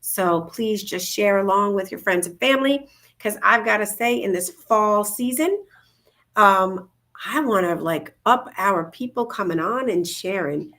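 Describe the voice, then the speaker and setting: A woman's voice: mid-range voice, expressive, a little slow, fairly bright tone. Bubbly chatty woman hosting a livestream. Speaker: co-host of a livestream talk show. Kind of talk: casual upbeat livestream chat. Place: home, indoors, in Florida.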